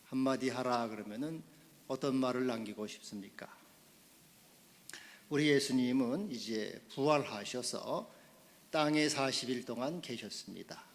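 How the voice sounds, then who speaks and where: A man pastor delivering a Sunday sermon, asking the congregation questions and building to loud, emphatic climaxes. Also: medium pitch, unhurried, big-room sound. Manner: asks the congregation questions directly.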